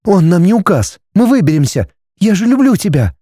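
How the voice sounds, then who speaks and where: Man doing a scared young girl, high and teary, begging, lively pitch. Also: moderate pace, no room sound, clean studio sound. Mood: desperate. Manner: tearful, pleading. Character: fragile young woman, frightened and pleading.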